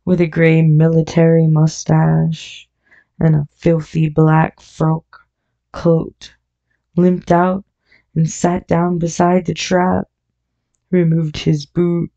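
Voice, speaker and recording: Slow, gravelly woman narrator. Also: sits low, warm tone. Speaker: audiobook narrator. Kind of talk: scripted narration. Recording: dull lo-fi audio.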